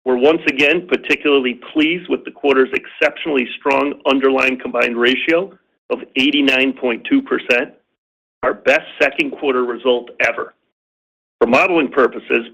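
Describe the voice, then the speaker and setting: Man, somewhat lo-fi call recording, average pitch, corporate executive, formal scripted earnings report, businesslike. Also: moderate pace, vocal fry, fairly bright tone, husky. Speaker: company business-segment executive. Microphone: conference call line. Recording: slightly dull lo-fi call audio.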